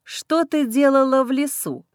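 A woman's voice: high voice, unhurried, no room sound, clean studio sound. A woman reading an audiobook voices a stern, black-haired male werewolf pack leader who growls his commands. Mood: harsh.

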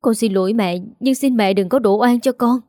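Pleading tearful daughter-in-law, read by a woman storyteller; mellow, dry voice. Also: fairly high pitch, moderate pace, dry recording, lightly acted. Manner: plaintive and pleading.

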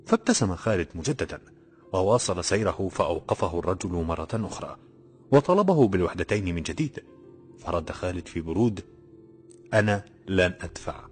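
A man narrating a novel in a steady, measured storytelling voice. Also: low voice, faint music behind. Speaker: audiobook narrator. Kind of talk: scripted narration.

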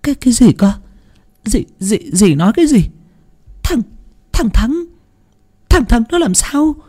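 A stubborn older village woman whose voice climbs high and thin, played by a male storyteller. She wails and sobs with grief, her words breaking apart. The sound is strained and tearful. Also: very animated, fast talker, a little mellow. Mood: distraught. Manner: shrill, insistent, wailing in grief. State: sobbing.

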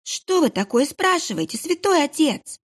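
A woman's voice: high voice, big pitch swings, normal speed, voice pushed up. A woman voicing a frightened young kitchen boy who whines and whimpers. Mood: frightened pleading. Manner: squealing, whining, tearful.

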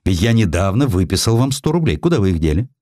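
A man's voice: fairly low pitch, sing-song, fast, warm tone, dry recording. A man voicing a dry, pedantic, tight-fisted magazine editor and colonel who scolds in an exacting, indignant way. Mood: scolding, grudging.

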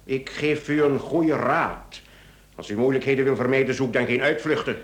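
A man's voice: mid-range voice, normal speed, natural voice. A Flemish man acting in a radio play as a probing, no-nonsense police inspector, terse, dry and insistent. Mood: stern, pressing. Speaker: radio drama actor. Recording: roomy, echoing radio drama studio.

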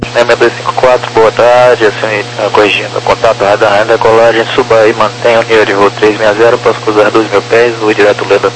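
A man's voice: on the low side, little pitch movement, a little fast, few pauses. A man with a Brazilian accent working as an air traffic controller, giving instructions over aviation radio. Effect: aviation radio transmission. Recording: noisy aviation radio with hum.

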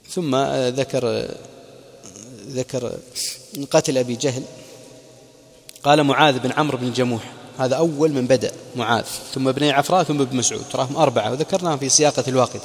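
Male religious lecturer, brisk delivery, recites verse slowly, hall reverb. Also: medium pitch. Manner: recites quoted verse slowly, explains words in dialect. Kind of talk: classroom lecture on prophetic biography.

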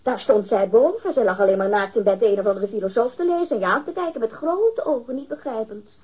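An actress playing a defensive, haughty young librarian under questioning in a radio drama, curt and bitterly sarcastic. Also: female voice, a little high, expressive, quick pace, slightly rough, dull audio. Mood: bitter, scornful.

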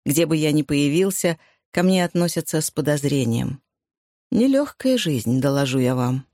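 A woman reading the part of a lonely, courteous German-born eye surgeon, speaking with a German accent in a measured, wry way. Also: low voice, animated, mellow, dry recording, clean studio sound. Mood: rueful.

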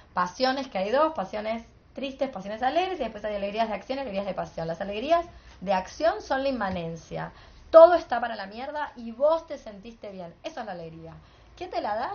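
An Argentine woman leads a casual philosophy class, pressing her points and checking in with the room. Her voice sits at an ordinary pitch, captured on a muffled, low-fidelity recording. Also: a little mellow. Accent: Rioplatense Spanish. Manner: emphatic, rhetorical, asks "entendés?" often. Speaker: workshop teacher.

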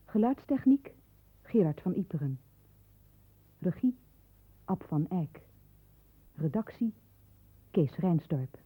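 A woman announcer reading credits formally and deliberately, as on a muffled vintage radio broadcast. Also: on the low side, big pitch swings, slightly rough. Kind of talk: formal scripted cast announcement.

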